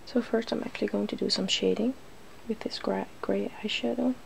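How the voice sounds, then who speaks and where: Soft-spoken ASMR woman with creaky voice. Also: mid-range voice, fairly even intonation, fairly quick. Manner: soft-spoken, often dropping into whispers. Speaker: ASMR video host. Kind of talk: ASMR, casual makeup demonstration. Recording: faint background noise.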